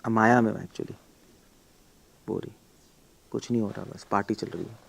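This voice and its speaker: A man, a monk and preacher, giving a blunt, forceful lecture, firing rhetorical questions and mixing English words into his talk. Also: on the low side, fairly even intonation, moderate pace, creaky.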